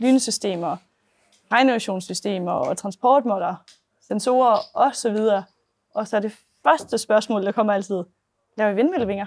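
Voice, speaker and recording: Speaking at a moderate pace, a woman uses ordinary pitch variation and takes long, frequent pauses. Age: 20s. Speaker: engineer. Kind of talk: casual chat. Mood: cheerful, smiling. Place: studio.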